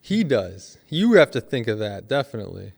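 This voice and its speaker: Mid-pitched man in casual chat. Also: very animated, normal speed, vocal fry.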